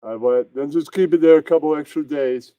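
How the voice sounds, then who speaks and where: A man with a fairly high voice improvises a crude comedy puppet skit. He rambles and leans on catchphrases. The recording sounds a little dull. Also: fairly quick, warm tone, clean tone. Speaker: puppeteer performing comic puppet show. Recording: echoey, slightly dull room recording.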